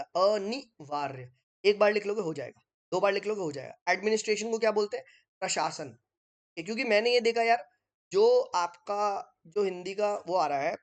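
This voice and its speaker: A man teaching an informal online exam-prep lesson, explaining step by step while writing on screen and checking in with listeners. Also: high voice. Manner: chatty, keeps checking in with listeners.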